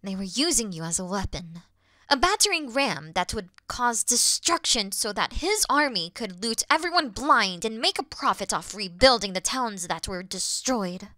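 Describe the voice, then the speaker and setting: A woman playing a regal, calm demon queen in a fantasy audio roleplay, speaking in a measured, earnest, soft-spoken way. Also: mid-range voice, no room sound, studio quality. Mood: earnest, grave. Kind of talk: scripted fantasy audio roleplay addressed to the listener.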